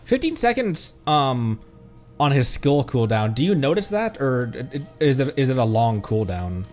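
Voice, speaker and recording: A man's voice: mid-range voice, very animated, normal speed, darkish tone. A man doing casual gameplay commentary as a streamer, chatty and thinking aloud. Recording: game music behind voice. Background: video game music.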